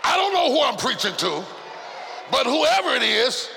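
A man's voice: extremely high pitch, very animated, moderate pace, gravelly, pushed and bright. A man preaching a rousing revival sermon in a roaring, rallying way, exhorting the congregation with emphatic repetition. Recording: live sermon over music and crowd noise. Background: music and congregation.

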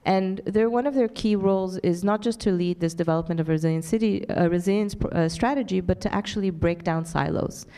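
A woman's voice: fairly low pitch, fairly quick, hardly any pauses, dark tone. A woman on a panel, explaining her organization's work at length with fillers. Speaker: NGO panelist. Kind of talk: panel discussion.

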